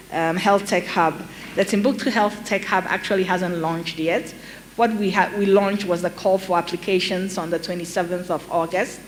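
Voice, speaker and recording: A middle-aged woman from Ghana with a Ghanaian accent, explaining a program on a conference panel in a measured way, with many ums and restarts. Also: on the low side, a little hiss or hum, low-quality recording. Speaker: panel speaker.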